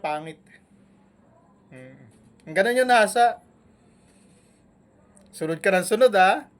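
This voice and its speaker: On a live stream, a male vlogger taunts and berates a rival, humming through long pauses between jabs. His voice sits on the high side.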